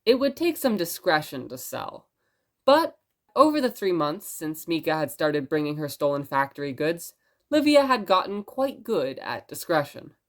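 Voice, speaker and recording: A woman playing a presenter who reads stories aloud in expressive narration. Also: low-pitched, moderate pace. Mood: measured, tender. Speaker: narrator and host of the show.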